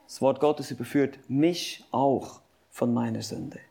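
A man's voice: mid-range voice, slow, creaky, warm tone, breathy edge. A man preaching a sermon, emphatic, asking his listeners questions and stacking up repeated phrases as he talks to them directly.

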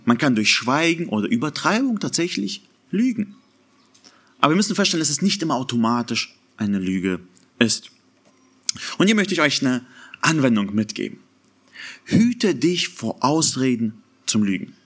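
A man preaching a sermon in an earnest, emphatic way, slowing down to stress key words. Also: mid-range voice, sing-song, fairly bright tone, breathy edge.

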